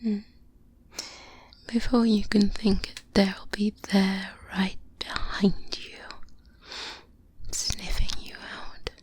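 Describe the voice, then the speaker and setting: A woman playing a seasoned, guarded vampire hunter mentor in an ASMR roleplay, speaking in a breathy whisper with measured, deliberate pauses, close to a binaural mic. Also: medium pitch, flat delivery, a little mellow. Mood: cautioning, reassuring. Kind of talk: soft-spoken ASMR roleplay monologue. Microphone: close-up binaural microphone.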